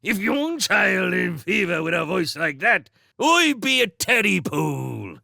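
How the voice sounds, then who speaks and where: A man's voice: high-pitched, very animated, unhurried, gravelly, pushed and bright, no echo, clean studio sound, pitched above the performer's own voice, full character voice. A man voicing a homely old male creature who talks in broken rustic dialect in an audiobook. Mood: wry.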